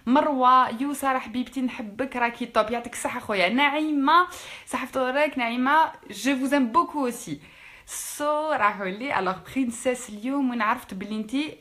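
A young Algerian woman, an actress, chatting fast and casually with fans in a live stream, switching languages. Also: high-pitched, sharp tone. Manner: quick, chatty, mixing French with Algerian Arabic. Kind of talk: casual live-stream chat reading out comments.

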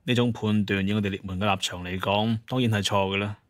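A man playing a level-headed master hunter and clan leader in an audio drama, speaking in a measured, explanatory way. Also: fairly low pitch, steady tone, no echo, studio quality, lightly acted. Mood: calm, reasoning.

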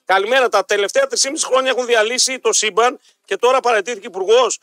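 A man from Greece co-hosts a casual talk show, reading listener messages aloud and giving measured, moralizing opinions. His voice sits high and sounds bright and forceful. The recording is dry and close, with no room sound. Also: no room sound. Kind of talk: casual radio-style chat.

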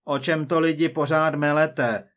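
A man voicing a loud, jovial, blustering male film director. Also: on the high side, steady tone, voice pushed up, close to an everyday voice. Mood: brash.

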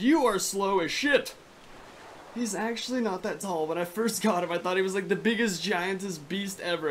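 A young man from California with a raspy, sore throat, giving excitable, foul-mouthed gameplay commentary. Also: high-pitched, slight background noise. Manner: excitable, swears freely. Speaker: gaming YouTuber.

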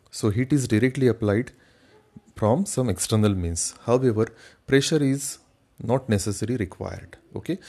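A man's voice: on the low side, mellow, slightly rough. A man giving a methodical slide lecture, reading each point and then restating it in his own words. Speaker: engineering lecturer.

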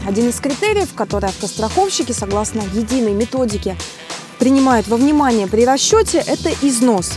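Woman news presenter explaining things, fairly high voice, music playing under. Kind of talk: scripted news narration.

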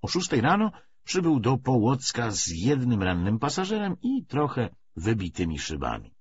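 A male audiobook narrator reads literary prose in a husky voice. He takes his time and moves his pitch expressively. The sound is a little muffled. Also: huge pitch swings, normal speed.

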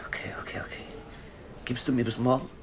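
An actor playing a young gay hacker who is upset and stammers, often in a hushed whisper. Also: male voice, mid-range voice, level tone, fast, close to an everyday voice. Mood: hushed, anxious. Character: young man Moritz, distraught gay hacker. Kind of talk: audio drama acting.

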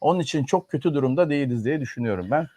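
A man talking economics and politics in a casual chat, arguing firmly and pausing on fillers as he reasons. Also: medium pitch, lively intonation, a little mellow, dry recording. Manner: argumentative, lectures in firm repeated clauses. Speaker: economics commentator.

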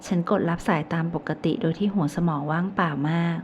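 A woman narrating a first-person romance audiobook in a calm, even storytelling manner. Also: low-pitched, fairly quick. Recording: slightly dull recording, faint hiss.

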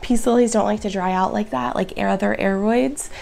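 A chatty woman with a hoarse, raspy voice and plenty of gravelly fry running through it. She talks through a casual home vlog, upbeat and speaking straight to her viewers at a middling pitch. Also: steady tone, brisk, darkish tone. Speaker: plant vlogger. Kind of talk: casual show-and-tell vlog.

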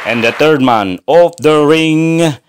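A man's voice: on the high side, slow pace, a faint crowd, slight background noise. A man announcing like a boxing ring announcer, formal and theatrical, stretching out names as he introduces fighters.

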